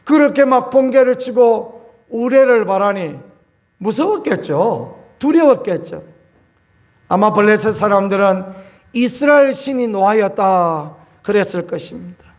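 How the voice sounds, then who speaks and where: A man, a pastor, preaching a Sunday sermon in a homely, colloquial way, telling stories and acting out scenes with sudden loud bursts. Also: sits high, expressive, unhurried.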